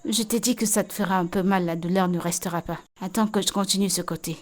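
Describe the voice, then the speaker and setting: A lightly acted, medium-pitched woman's voice, steady in tone and quick, dubs Vicky for a French film. The character is a friend caring for a beaten woman, outspoken and blunt, repeating herself insistently.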